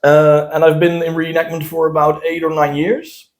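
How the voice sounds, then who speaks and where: A man from the southern Netherlands, a Dutch native speaker, co-hosts a casual podcast chat. His voice sits a little high for a man. He talks haltingly, with many filler sounds and restarts. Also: monotone. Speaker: podcast co-host.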